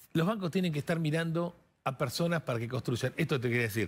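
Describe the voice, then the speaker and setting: Speaking at a fairly quick pace, a man with a fairly high pitch and a somewhat breathy voice uses lively intonation. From Argentina. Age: 50s. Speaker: businessman; guest. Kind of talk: casual chat. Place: studio. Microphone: headset.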